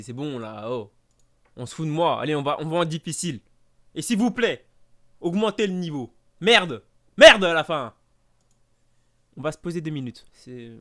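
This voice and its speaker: Young male gaming creator, sarcastic running commentary, slightly higher voice, casual. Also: fairly bright tone. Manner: mock-exasperated, sarcastic, talks to himself. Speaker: gaming YouTuber. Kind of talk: casual let's-play commentary.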